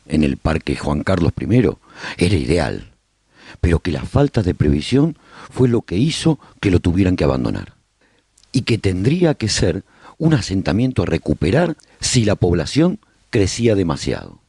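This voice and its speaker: Guy playing a solemn survivor telling his colony's story for radio, real low voice, swings up and down a lot. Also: very animated, normal speed, warm tone, husky, dry recording, clean studio sound, full character voice. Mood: measured, earnest. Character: male survivor chronicling his post-apocalyptic colony, earnest and resolute. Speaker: narrator. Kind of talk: scripted radio drama narration.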